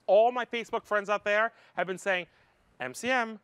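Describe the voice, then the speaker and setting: A middle-aged man presenting a product on a live shopping channel, excitable and full of playful banter. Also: sits high, moderate pace, clean tone, dry recording. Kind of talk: live home shopping sales talk. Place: large TV studio kitchen set.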